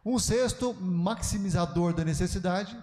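Older Brazilian pastor teaching, casual and chatty, slightly high voice. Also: male voice, unhurried, darkish tone, in a large hall. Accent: Brazilian Portuguese. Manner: conversational, folksy asides with frequent "né?". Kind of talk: church class lecture.

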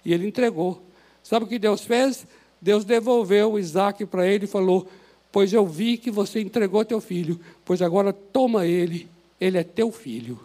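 A male pastor with a Brazilian Portuguese accent, preaching an impassioned sermon that swings from loud exhortation to soft, prayerful pleading in a church. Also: sits high, normal speed. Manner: impassioned, rises to shouts then drops to soft prayer. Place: church sanctuary.

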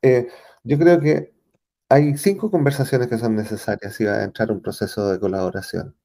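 A man from Chile with a Chilean accent, talking as an interview guest in a thoughtful way, often pausing and restarting as he searches for words. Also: medium pitch, dark tone. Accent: Chilean Spanish. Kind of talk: reflective conversational interview.

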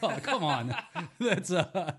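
A man, a podcast co-host and former youth leader, chatting casually in a halting way with many restarts. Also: a little high, big pitch swings, fairly bright tone. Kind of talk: casual chat.

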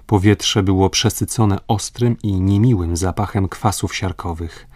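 A man narrating an adventure novel as an audiobook, in steady, measured storytelling. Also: low-pitched, no echo, studio quality.

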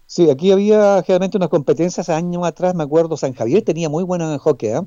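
A man's voice: on the high side, fast, mellow, no echo, lo-fi sound. A man with a Chilean accent hosting a casual sports radio show, often tagging his remarks with little checking questions. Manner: frequent checking tag questions.

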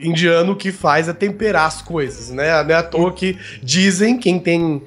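A man's voice: on the high side, moderate pace, fairly bright tone. A Brazilian man co-hosting a podcast, explaining facts in a long, casual way with lots of filler tags. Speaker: podcast co-host.

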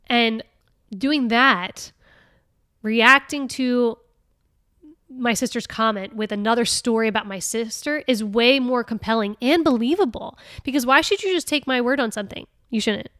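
A woman hosting a casual solo podcast, chatty and laughing often, reading passages aloud with lively expression. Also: on the high side, moderate pace, no room sound, studio quality. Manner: chatty, laughing often, with many fillers and restarts. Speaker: podcast host.

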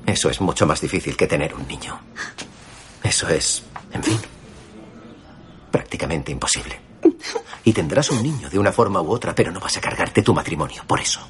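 A teasing easygoing brother. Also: male voice, sits low, lively intonation, fairly quick, pauses often, a bit bright, a little hiss or hum. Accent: Castilian Spanish. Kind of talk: film dub.

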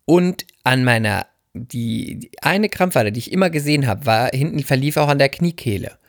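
A man's voice: mid-range voice, expressive, normal speed, vocal fry, dry recording, clean studio sound. A man from the Palatinate, co-hosting a podcast, who tells stories animatedly and dramatically with self-mocking humor. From Palatinate, Germany. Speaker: podcast co-host. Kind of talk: casual chat.

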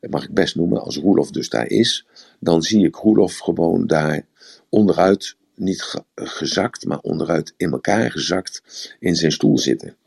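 A man's voice: low-pitched, expressive, a little slow, vocal fry, a little mellow, slightly rough. A man giving a rambling, explanatory talk on communication in a live audio room, often repeating words. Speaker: speaker on communication.

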